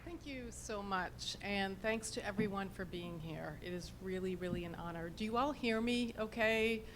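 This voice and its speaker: An American woman leading a conversation at a live event, projecting like a teacher and repeating words for emphasis. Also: normal speed. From New England, US. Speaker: anthropologist leading an on-stage conversation. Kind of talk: live public conversation, informal introduction. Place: indoor public event venue. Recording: noisy live event with rumble.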